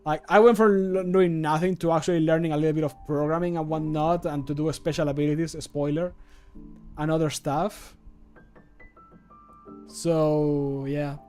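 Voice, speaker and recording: A man's voice: fairly high pitch, steady tone, moderate pace, mellow, clean tone, soft background music. A man in his thirties chatting casually and informally as a livestreamer. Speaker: streamer and game modder. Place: small room at home, indoors.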